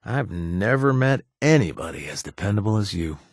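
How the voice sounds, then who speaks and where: A man's voice: fairly low pitch, sing-song, normal speed, dry recording. An actor playing a playful, flirtatious male companion in a video game, recorded dry in a studio. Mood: flirty.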